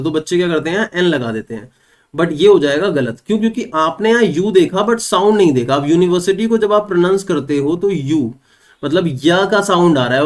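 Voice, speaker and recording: A man's voice: on the high side, a little mellow. A young man giving an online exam-prep English lesson, explaining step by step and asking and answering his own questions. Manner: reads English example sentences slowly and clearly. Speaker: English teacher.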